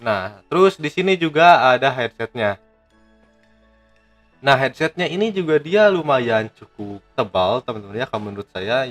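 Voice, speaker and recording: A man gives a casual hands-on gadget review. His voice sits at an ordinary male pitch, and he talks to viewers like friends, with music behind him. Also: a bit bright. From Indonesia. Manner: chatty, addresses viewers as friends.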